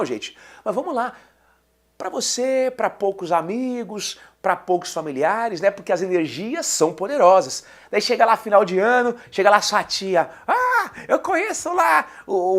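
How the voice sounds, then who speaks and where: A man with a cold and a slightly nasal voice, giving a chatty exam-prep lecture and talking straight to his students. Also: on the high side. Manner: lively, chatty, addresses students as "gente". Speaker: teacher.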